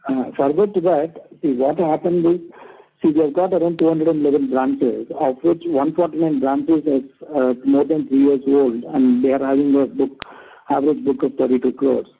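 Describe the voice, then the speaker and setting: A man's voice: mid-range voice, steady tone, normal speed, creaky, slightly rough. A man with an Indian accent explaining things methodically as a company executive on an investor call. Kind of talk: explanatory earnings call answer. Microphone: conference phone call. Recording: muffled narrow phone line.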